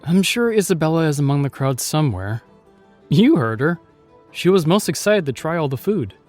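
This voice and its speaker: An actor playing a gallant, protective knight in a fantasy audio drama, earnest, courtly and commanding. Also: male voice, on the high side, sing-song, moderate pace, a little mellow, soft background music. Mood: reassuring.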